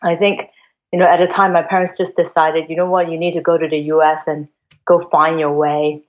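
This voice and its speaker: A Hong Kong woman in her forties, appearing as a guest investor, tells her story in a casual interview. Her deep voice is flat and a little fast, chatty but full of fillers and restarts. The lo-fi recording sounds dull.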